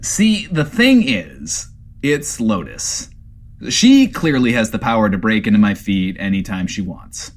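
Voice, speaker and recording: A man's voice: fairly low pitch, sing-song, a little slow. A man playing an anxious, rambling host of a post-apocalyptic comedy variety webshow, theatrical and hesitant in delivery. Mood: puzzled, indignant. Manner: theatrical, hesitant, self-referring.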